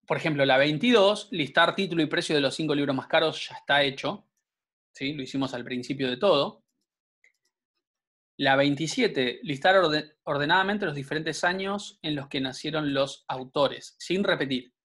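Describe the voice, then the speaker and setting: A man's voice: a little high, moderate pace, fairly bright tone. Patient man teaching a coding class. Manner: patient, explanatory, frequent check-ins with students. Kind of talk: online programming class.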